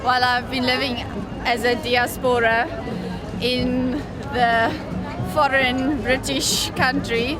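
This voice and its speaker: A woman from South Africa, excited and enthusiastic, in an interview. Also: sits high, slow, over loud music. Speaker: voter. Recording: outdoor crowd recording.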